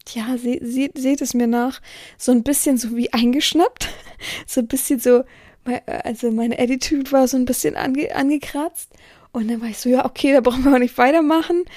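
Rambling high woman with a gravelly edge. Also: darkish tone, no room sound, studio quality. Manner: rambling, self-correcting, acts out quoted speech. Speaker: dominatrix and podcast host. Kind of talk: casual spoken monologue. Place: indoor room with an air filter running. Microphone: close studio-style mic, audio only.

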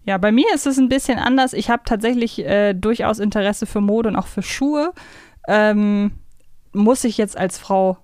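A woman's voice: mid-range voice, normal speed, a little mellow, no room sound, studio quality. A woman hosting a podcast in a casual, conversational chat style. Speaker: podcast host. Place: close, dry podcast recording.

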